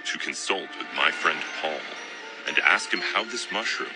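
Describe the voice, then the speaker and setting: A man with an exceptionally deep voice narrates a documentary in a calm, measured way. His delivery stays soft and faintly deadpan even when he marvels. Loud background music sits under the recording. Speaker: documentary host. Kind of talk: documentary narration and field interviews.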